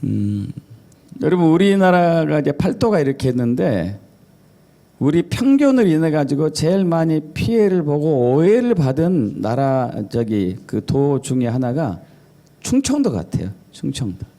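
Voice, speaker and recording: A male pastor delivers a Sunday sermon with a lively, swooping delivery. His voice is fairly high yet mellow and warm, and he tells jokey stories, slipping into playful imitations of regional dialects. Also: unhurried. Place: church service.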